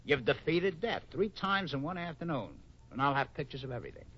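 An actor playing a scheming, jittery city press photographer who stammers and wisecracks in a 1950s radio Western. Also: male voice, fairly high pitch, expressive, brisk, husky. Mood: salesmanlike. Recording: dull lo-fi old radio recording.

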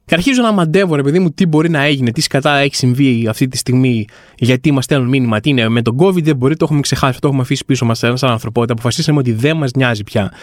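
A man's voice: mid-range voice, no echo, clean studio sound. A man hosting a comic podcast, rambling through a wry, self-mocking monologue. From Greece. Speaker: podcast host.

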